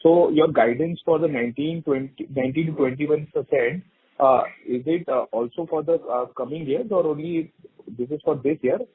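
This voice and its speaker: Husky man on a narrow phone line. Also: on the high side, normal speed. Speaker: financial analyst asking questions. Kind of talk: earnings call questioning. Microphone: phone call.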